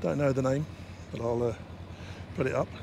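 A man speaks in a somewhat breathy voice with ordinary pitch variation. The sound is dry with no echo, and there is noticeable background noise. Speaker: motorcycle vlogger. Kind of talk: casual vlog chat. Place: motorbike.

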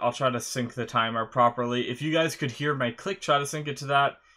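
Against a quiet background, a man talks with a bright, sharp tone. His intonation is fairly even. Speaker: reaction video host. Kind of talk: casual reaction commentary. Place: home room.

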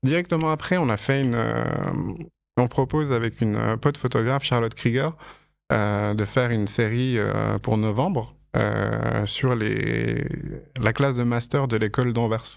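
A man talks at a fairly slow pace with long, frequent pauses. His loudness stays very even against a quiet background. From Switzerland, canton of Vaud (Payerne); Vaud, Switzerland. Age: 30s. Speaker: fashion photographer; podcast guest. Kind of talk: interview conversation. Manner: hesitant, many fillers. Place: studio. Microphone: studio mic.

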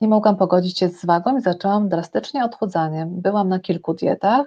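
This woman talks at a very fast pace in a medium pitch with a dark, mellow tone. Her pitch varies in an ordinary way over a quiet background. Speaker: live Q&A moderator. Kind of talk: reading viewer questions. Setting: live stream. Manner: warm, friendly.

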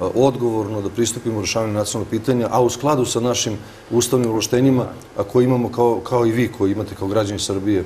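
Fairly even intonation from a man, with light background noise. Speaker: guest. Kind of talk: interview answer. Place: studio.

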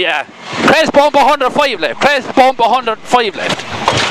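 A man with a strong rural Irish accent, extremely high-pitched and fairly slow, dry with no echo, against loud background noise. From Ireland. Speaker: rally co-driver. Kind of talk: reading pace notes in a rally car. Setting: inside a rally car. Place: car. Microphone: helmet.

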